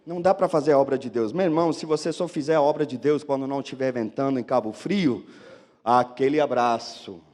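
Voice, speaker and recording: A man with another first language preaching a lively sermon as a pastor, acting out the excuses people give. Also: medium pitch, fairly quick, big-room sound. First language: not Portuguese. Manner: animated, acts out excuses of churchgoers.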